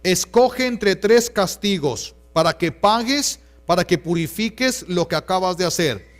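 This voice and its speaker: A man with a Mexican Spanish accent voicing God, who rebukes a king slowly and sternly within a sermon. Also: high voice, expressive.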